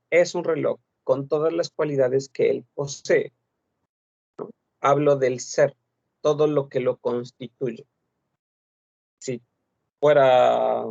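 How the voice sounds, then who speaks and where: A man's voice: mid-range voice, vocal fry, darkish tone, dry recording, dull audio. A man teaching an online French class, explaining patiently with rhetorical questions and frequent self-corrections.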